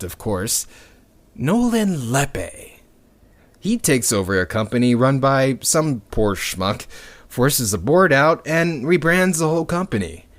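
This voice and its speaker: A bitter, sardonic rebel recounts a ruined future in an audio drama. His mid-pitched voice moves slowly, leaning into dramatic pauses, then swoops expressively on scornful emphasis. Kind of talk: audio drama monologue addressed to listeners.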